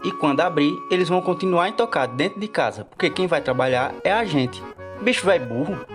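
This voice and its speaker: A cocky, scheming bakery hand played by a man with a Northeastern Brazilian accent. His fairly high voice swings up and down, brash and scolding in radio soap style, with music clearly underneath. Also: expressive, brisk, lightly acted. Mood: exasperated, scolding. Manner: brash, exasperated, colloquial. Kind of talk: radio soap opera acting.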